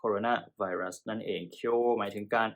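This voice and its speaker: A man's voice: fairly low pitch, fairly even intonation. Thai male tutor explaining English grammar. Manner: explains patiently, checks in with listeners often; spells and pronounces English words slowly within Thai. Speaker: TOEIC tutor. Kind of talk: exam-prep lesson.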